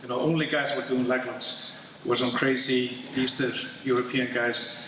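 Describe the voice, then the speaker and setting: A man doing stand-up for the first time, animated, putting on excited voices for his jokes. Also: mid-range voice, moderate pace. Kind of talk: stand-up set. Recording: echoey hall, distant mic, noise.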